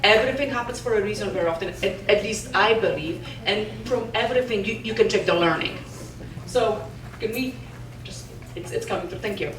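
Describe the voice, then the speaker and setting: A woman's voice: mid-range voice, fairly quick, a little hiss or hum. A woman from Poland with a Polish accent, giving an earnest motivational conference talk and often restarting words. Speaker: conference keynote speaker. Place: conference hall. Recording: echoey hall from a distance.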